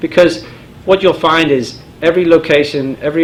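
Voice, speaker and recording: A man talks fairly quickly, his pitch varying in an ordinary way, with noticeable background noise behind him. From Ireland. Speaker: oil and gas engineering executive. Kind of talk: lecture. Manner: halting, many fillers.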